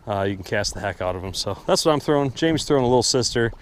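A man's voice: mid-range voice, animated, very fast. A man hosting his fishing channel, talking casually and cheerfully to the camera from a boat on a lake, with plenty of ums and uhs. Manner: upbeat, joking, with frequent fillers. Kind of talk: casual vlog talk to camera.

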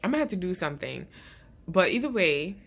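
A woman's voice: on the low side, very animated, a little fast, gravelly. A woman in her thirties vlogging casually to camera in a small bedroom, rambling and chatty, with a stuffy head cold. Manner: chatty, rambling, laughs often. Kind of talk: casual vlog chat to camera.

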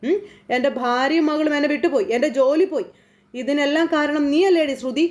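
A woman's voice: high voice, fairly quick, darkish tone, natural voice. A woman voicing a bitter, vengeful man who hurls menacing threats while retelling a TV serial. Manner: menacing, taunting.

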